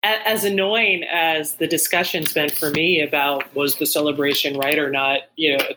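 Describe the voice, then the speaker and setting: A woman's voice: sits low, steady tone, moderate pace, background noise. A woman hosting a podcast, asking questions in casual interview talk with friendly interjections. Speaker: podcast host.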